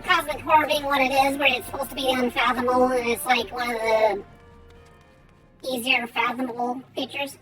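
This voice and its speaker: A woman giving casual gameplay commentary and chatting with viewers in a rambling, halting way, her R's softened toward W. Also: high-pitched, flat delivery, low-quality recording. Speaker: game streamer. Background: faint music.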